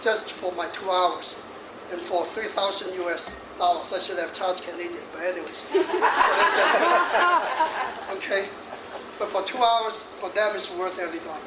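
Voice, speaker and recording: 60s guy giving a fun feng shui talk, highish voice, roomy hall, noisy far-off recording. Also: lively intonation, a little slow, crowd noise. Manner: jokey, laughs often, chatty asides. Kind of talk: lively lecture to an audience. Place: hall in front of an audience. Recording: echoey hall audio from afar with noise.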